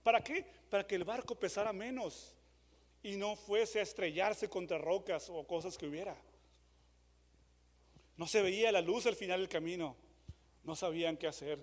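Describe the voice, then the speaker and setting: A man preaching a dramatic sermon, moving from loud re-enacted shouts to hushed questions. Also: high voice, moderate pace, long pauses. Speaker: pastor. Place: church hall. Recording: long church hall reverb.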